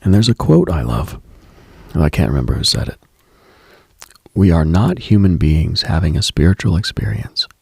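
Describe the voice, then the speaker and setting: A man hosting a late-night spiritual radio show, speaking in a hushed, breathy, reflective monologue. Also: low voice, big pitch swings, normal speed, pauses often, no room sound, clean studio sound.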